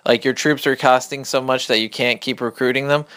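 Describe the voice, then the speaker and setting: A man giving a casual, off-the-cuff game tutorial, speaking quietly but clearly, close to a phone mic. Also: mid-range voice, fairly even intonation, brisk, no echo. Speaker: gamer hosting a beginner's tutorial. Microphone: phone held a couple of inches from the mouth.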